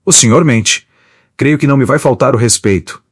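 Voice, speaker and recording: A man's voice: mid-range voice, normal speed, slightly rough, lightly acted. A man reading a cool, ironic young woman. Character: proud, wary young woman rebuffing a suitor.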